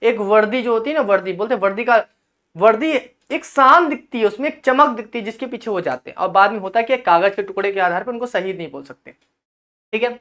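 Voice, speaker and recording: Brief: high-voiced male presenter, impassioned explainer, reads English clauses slowly. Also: a bit bright. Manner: impassioned, addresses listeners as brother. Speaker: educational channel presenter. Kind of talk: explainer commentary on a document.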